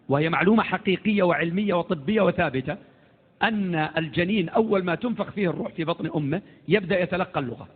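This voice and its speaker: Man, middle-aged, brisk speech, husky voice, lively storytelling talk. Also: high-pitched. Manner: animated, acts out quoted dialogue. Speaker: speaker addressing an audience. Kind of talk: storytelling lecture. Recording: phone-like audio in a reverberant hall.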